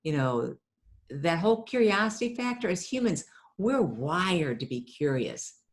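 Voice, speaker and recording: A middle-aged marketing business owner from Ohio, interviewed as a guest, tells stories chattily, repeating words as she restarts. Her lowish voice swings widely in pitch, and she never hurries.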